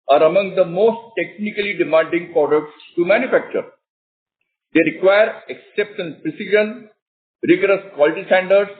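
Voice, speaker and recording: A male company executive with an Indian accent and a somewhat high-pitched voice. He delivers a scripted business presentation in a formal, measured way. The sound is thin and band-limited, as on a telephone conference call. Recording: narrow, tinny phone conference line.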